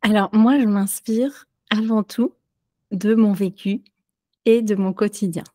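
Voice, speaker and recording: A woman who teaches French, answering interview questions casually with many pauses and fillers. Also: medium pitch, fairly even intonation, warm tone, no echo, clean studio sound. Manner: hesitant, many fillers and restarts, light laughs. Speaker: French teacher and podcaster, guest.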